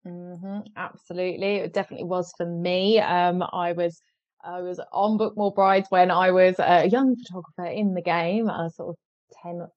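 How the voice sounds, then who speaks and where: A woman with an East Midlands English accent hosts a podcast interview, bubbly and keen. Her voice sits a little low, and the sound is dry and close. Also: fairly even intonation, normal speed, darkish tone, no echo, muffled recording. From England. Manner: bubbly, enthusiastic. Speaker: podcast host. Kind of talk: casual interview chat.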